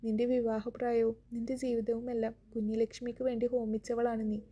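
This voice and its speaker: A remorseful woman who speaks calmly and reflectively, as a woman voices her in a story. The delivery is very even, with little rise and fall. The tone is dark-mellow and husky. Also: on the high side, a little fast. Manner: calm and reflective. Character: remorseful woman, calm and resigned.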